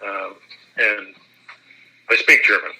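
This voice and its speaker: Bright-voiced actor chatting, laughing easily. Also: male voice, fairly low pitch, slow pace, husky, low-quality recording. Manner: chatty, self-deprecating, laughs often. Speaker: actor, interview guest. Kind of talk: relaxed interview chat.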